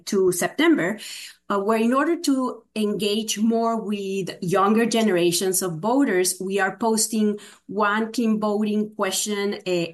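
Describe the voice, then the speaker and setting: A woman with a Spanish accent gives a formal presentation to a commission, speaking in a measured way with frequent "uh" fillers. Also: medium pitch. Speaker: state agency program presenter.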